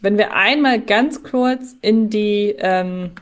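A woman's voice: mid-range voice, slow pace. A woman co-hosting a podcast, talking conversationally in a reflective, careful manner. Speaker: podcast co-host. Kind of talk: conversational fan discussion.

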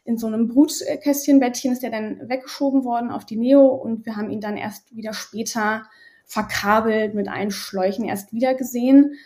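A woman's voice: fairly high pitch, fairly even intonation, moderate pace, darkish tone. A woman in her thirties from Berlin, raised bilingual in German and French, telling her story candidly as an interview guest, hesitant and full of fillers. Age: 30s. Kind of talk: personal interview.

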